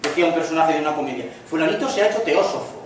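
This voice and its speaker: A man with a Spanish accent from Spain, giving a lecture in a chatty way and slipping in jokes with quick acted lines. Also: fairly high pitch, expressive. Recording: echoey room from far off, faint noise.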